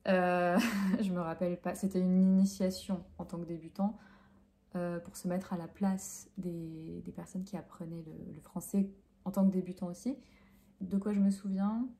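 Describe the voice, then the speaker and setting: A woman's voice: on the low side, flat delivery, moderate pace, vocal fry, warm tone. A young Frenchwoman who teaches French, answering interview questions in a hesitant way with many fillers and self-corrections. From France.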